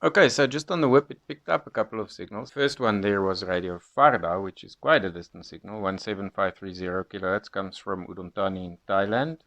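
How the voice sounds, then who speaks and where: A man with a fairly low voice talks through a casual gear review. His delivery is measured and explanatory, like a hobbyist sharing first impressions. The sound is dull and a little lo-fi. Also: a bit bright.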